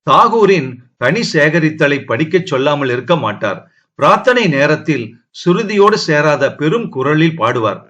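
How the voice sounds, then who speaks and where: A man reads a novel aloud in a measured, steady storytelling voice. His voice sits somewhat high for a man. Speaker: audiobook narrator. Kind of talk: novel narration.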